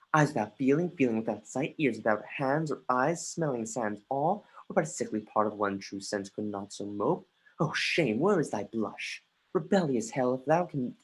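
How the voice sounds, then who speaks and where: The part of an anguished young prince is read, lightly acted, by a husky mid-pitched voice in a stage reading streamed from home. Scornful, accusing Shakespearean verse is declaimed in a mix of mutters and outbursts, with the odd flubbed line, and the recording is rough.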